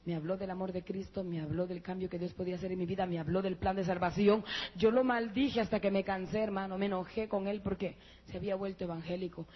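Husky woman giving an impassioned church testimony. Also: fast talker. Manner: emotional, addresses listeners as brothers, rises to high excited peaks. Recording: muffled lo-fi church recording.

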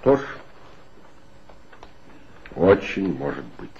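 A man's voice: sits low, very animated, takes it slowly, a little mellow, husky, full character voice. An actor playing a terse, cool male police inspector in a 1960s radio play, speaking in short, clipped replies. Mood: subdued. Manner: clipped, curt. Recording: dull lo-fi old radio recording.

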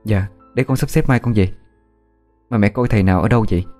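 A man voicing a gentle young daughter who speaks softly. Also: lowish voice, fast talker, faint music behind, close to an everyday voice.

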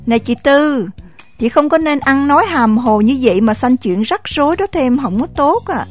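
An actress with a Southern Vietnamese accent playing a composed young woman, speaking in a soft, measured way in an audio drama. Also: high-pitched, lively intonation, faint music behind. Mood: calm. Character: calm, composed young woman, quietly defiant.

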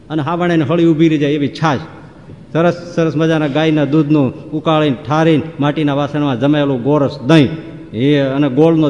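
Long hall reverb surrounds this preacher, a man with a fairly high, slightly mellow voice. His devotional discourse is folksy, and he reels off examples in rhythmic runs that build into exclamations.

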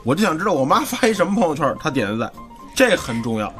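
A man's voice: on the high side, fast, soft background music. Man trading jokes on radio. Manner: joking banter, animated. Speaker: guest comedian. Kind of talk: radio comedy chat. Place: radio studio.

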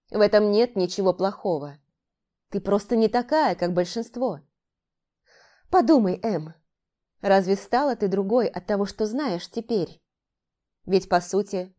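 A woman voicing a wise, sardonic male talking cat who calmly lectures and teases his young mistress in an audiobook. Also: mid-range voice, natural voice. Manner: calm and lecturing, with dry teasing.

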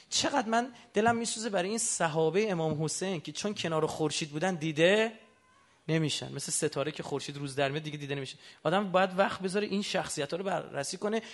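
A man preaching a religious sermon in a somewhat high, gravelly voice. He keeps turning to his listeners with rhetorical questions as he speaks. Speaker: religious lecturer.

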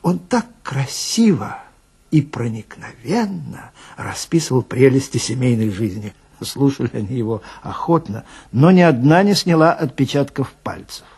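Man acting a husky, animated police detective raconteur. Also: mid-range voice, exaggerated voice. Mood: mock sympathetic. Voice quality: gravelly, husky. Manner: confiding, wry, theatrical storytelling with dramatic pauses. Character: chatty, grumbling Czech railway police detective telling his story. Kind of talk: radio reading of a humorous short story.

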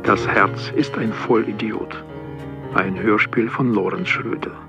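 A man's voice: fairly low pitch, steady tone, takes it slowly, creaky. A man announcing the title and credits of a radio play. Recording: muffled, loud music behind.

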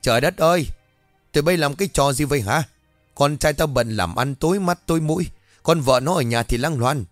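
A man voicing a cruel, sharp-tongued older woman who rules a household, in a spoken ghost story. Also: medium pitch, animated, brisk, no echo, soft background music, natural voice. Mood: shrill scolding. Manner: harsh, sharp-tongued scolding.

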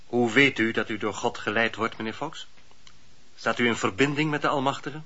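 A courteous but sceptical judge in a radio play. He questions in a formal, probing way, with a forceful, slightly raspy voice of middling pitch. The sound is a little dull and lo-fi. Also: moderate pace. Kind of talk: radio drama acting.

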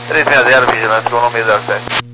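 A man's voice: mid-range voice, steady tone, quick pace. A Brazilian man speaking as a pilot over aircraft radio, giving clipped readbacks. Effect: radio transmission. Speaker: pilot on air traffic radio. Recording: very noisy humming aircraft radio.

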